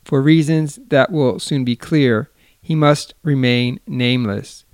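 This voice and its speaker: A man's voice: medium pitch, takes it slowly, a little mellow, no echo, studio quality. A man reading the part of a formal, polite male friend acting as a guide. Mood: hushed.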